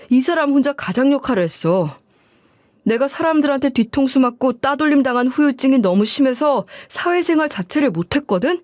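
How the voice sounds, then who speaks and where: An angry, loyal husband in a dramatized life story, laying into his mother with heated scolding, voiced by a woman narrator. The voice sits somewhat high, close and dry. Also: a little mellow, no room sound.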